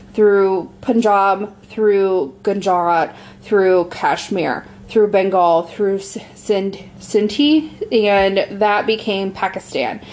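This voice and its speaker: A woman's medium-pitched voice keeps a fairly even intonation. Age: 20s. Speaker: podcast co-host. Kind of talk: casual chat.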